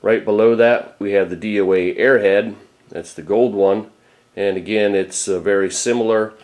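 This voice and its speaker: A middle-aged man with a deep, low voice walks through his gear in a casual how-to style. He talks plainly and practically, with a fair number of uh's along the way. He sounds like the experienced fishing guide that he is. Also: fairly even intonation, normal speed, a little mellow. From Florida. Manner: plain, practical, with frequent uh fillers. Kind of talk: casual instructional talk.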